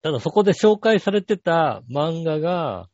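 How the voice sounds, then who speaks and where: A man's voice: fairly high pitch, big pitch swings, normal speed, darkish tone, no room sound, lo-fi sound. A man co-hosting a podcast, telling a rambling story in casual chat with many fillers. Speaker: podcast co-host.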